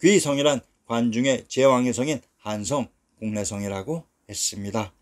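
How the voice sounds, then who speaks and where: Man reading a measured history narration. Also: mid-range voice. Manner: measured, list-like reading of place names. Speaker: narrator of a history lecture series. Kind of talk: scripted narration, reading out sources.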